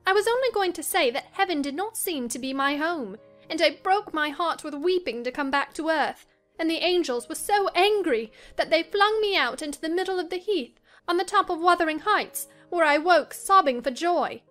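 A woman playing a willful, troubled young gentlewoman in a dramatized audiobook, earnest and dramatic. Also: extremely high pitch, lively intonation, normal speed, voice pushed up. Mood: passionate. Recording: music under the voice.

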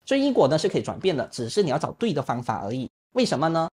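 A man, a Buddhist monk, teaching and answering questions in a lively, humorous way over an online call, filling his speech with little particles. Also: a little high, racing, breathy edge. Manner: lively, humorous, acts out examples; frequent filler particles like "呢" and "啊". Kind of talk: Dharma talk answering questions. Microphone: online video call.

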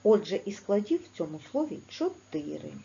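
A woman with a Ukrainian accent teaching a video lesson to schoolchildren, dictating slowly and clearly. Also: mid-range voice, very animated, warm tone. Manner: slow, clear, instructive dictation. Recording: slightly dull, faint background noise.

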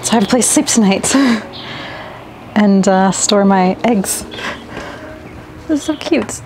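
A woman's voice: mid-range voice, slow, noisy background. A young woman in her twenties vlogging in a car, talking to the camera in an anxious, rambling way with restarts and fillers. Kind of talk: casual vlog talk to camera. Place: inside a car, then a small cabin and outdoors. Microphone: handheld camera at arm's length.

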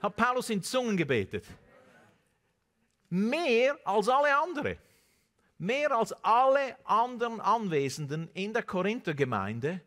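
A man in his forties delivers a sermon from a large church stage, his voice sitting a little high. He preaches with animated emphasis and sprinkles in Amen and Hallelujah as he goes. The sound comes through a headset microphone. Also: a little slow. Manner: animated preaching with Amen and Hallelujah interjections, mixing in English words. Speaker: pastor. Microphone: headset mic.

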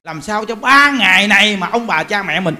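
Bright-voiced monk preaching in an animated, exhorting way. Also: male voice, high voice, moderate pace. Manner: animated, exhorting the audience, direct. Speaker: Buddhist monk. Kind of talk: sermon.

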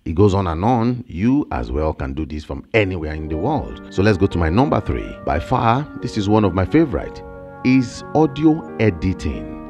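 A man with a Nigerian accent and a fairly low voice talks up online side gigs, his pitch leaping around as he presses each point. He is in his thirties, close on a studio mic, with faint music under him. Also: moderate pace, dull audio. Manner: animated, emphatic, gestures with hands. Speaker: online income creator. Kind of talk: energetic explainer vlog. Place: small home studio with shelves and plants, indoors. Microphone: large studio mic on a boom, close.

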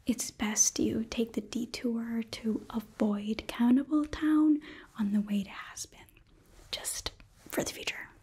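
A young woman playing a cheerful, nurturing demon princess hotelkeeper in a whispered ASMR roleplay, breathy, gentle and halting, close to the mic. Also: on the high side, heavily acted. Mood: cheerful, awkward. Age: young adult. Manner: gentle, bubbly, halting, reassuring. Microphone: close microphone, facing camera.

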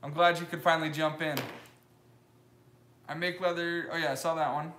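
A man's voice: a little high, level tone, moderate pace, fairly bright tone, slight background noise. A young man live-streaming from his leather workshop, chatting casually in a loose, rambling way with lots of fillers. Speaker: live-streaming maker vlogger. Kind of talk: casual live stream chat, reading comments. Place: wooden-walled leather workshop, indoors. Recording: roomy workshop echo.

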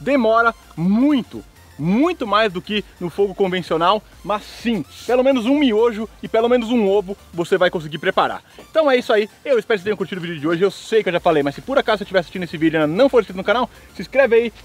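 High-pitched Brazilian man, fast vlog host. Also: lively intonation, faint music behind. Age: young adult. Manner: informal, slangy. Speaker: video host. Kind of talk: casual vlog chat to camera and friends. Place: outdoors by a car on open dirt ground.

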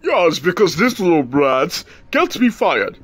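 A man's voice: high-pitched, very animated, unhurried, a bit bright, slightly rough, no echo. A man performing improvised comedy dubbing, with an exaggerated, complaining delivery. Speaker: comic voice-over performer.

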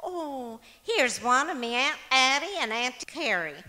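Woman playing a bright-voiced, exasperated radio comedy wife. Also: sits high, sing-song, unhurried, heavily acted. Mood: scolding. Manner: scolding, folksy. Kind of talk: 1940s radio comedy acting. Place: auditorium stage, live performance. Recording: reverberant auditorium stage.

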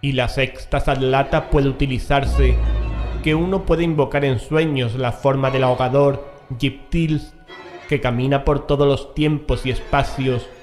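A man's voice: mid-range voice, steady tone, a little slow, a little mellow, soft background music. A man reading an occult text aloud as part of a scripted horror audiobook. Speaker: audiobook reader.

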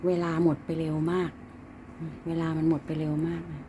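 A woman's voice: low voice, flat delivery, normal speed, background noise. A middle-aged woman chatting casually at home about her pets, cooing to her cats in baby talk. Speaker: pet owner filming her cats and rabbits. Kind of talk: casual chat to pets and viewers.

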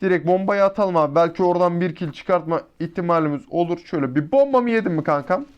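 High-voiced excitable male gameplay commentator. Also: fast, clear, resonant tone, dull audio. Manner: excitable, slangy, chatty with teammates and viewers. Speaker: mobile shooter gameplay YouTuber.

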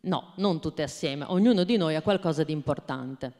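A woman's voice: low voice, moderate pace, dark tone. A woman reading the lines of a wise male storybook owl in a plain read-aloud voice. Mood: calm. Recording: long hall reverb.

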